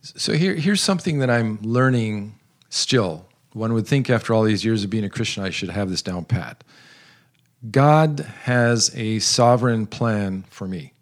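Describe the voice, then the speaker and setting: A man in his sixties who grew up in South America, giving earnest, measured interview answers with frequent pauses and restarts. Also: fairly low pitch. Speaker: guest, retired missionary.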